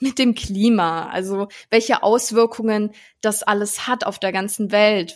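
A woman talks at a fairly slow pace in a normal speaking voice, her intonation fairly even. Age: 20s. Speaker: student and actress. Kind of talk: podcast interview.

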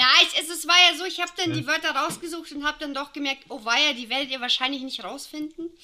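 A woman's raised, projected voice, high in pitch with ordinary pitch variation, at a very fast pace over noticeable background noise. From Upper Bavaria. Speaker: podcast host. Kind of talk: game show hosting.

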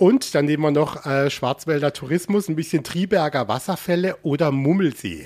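In an ordinary speaking voice, a man talks at a fairly high pitch and a moderate pace, with ordinary pitch variation, very even loudness and hardly any pauses. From Baden (southwest Germany). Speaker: podcast host. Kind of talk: casual interview.

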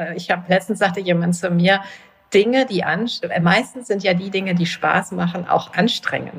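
Through noticeable background noise, a woman at medium pitch talks at a moderate pace with fairly even intonation. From Rostock, northeastern Germany. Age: 30s. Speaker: tech entrepreneur and product manager. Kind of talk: interview conversation.

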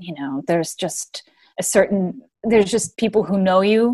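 A woman's dark, mellow voice in an American accent, at a fairly slow pace. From US. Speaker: communications agency director. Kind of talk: casual interview.

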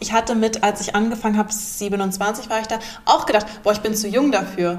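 Noticeable background noise fills the recording. Over it, a woman talks at a fairly high pitch. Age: 30s. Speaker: self-employed investing educator. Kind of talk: interview about personal finance.

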